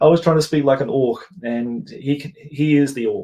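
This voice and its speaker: A man with an Australian accent, fairly high-pitched, with a dark, mellow tone, ordinary pitch variation and a moderate pace. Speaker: gaming hobby YouTuber. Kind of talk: casual live stream chat.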